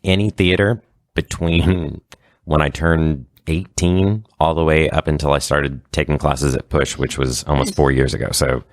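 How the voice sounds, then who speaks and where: A man in his thirties with an extremely low voice talks as a guest in a relaxed group interview. He speaks conversationally as an improv performer, and the recording is dry. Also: unhurried, dry recording. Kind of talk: casual group interview chat.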